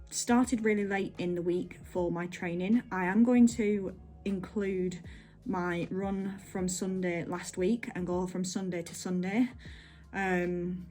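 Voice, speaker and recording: A woman's voice: mid-range voice, dark tone. A woman giving a casual, chatty vlog update in an informal, meandering way. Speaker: running vlogger.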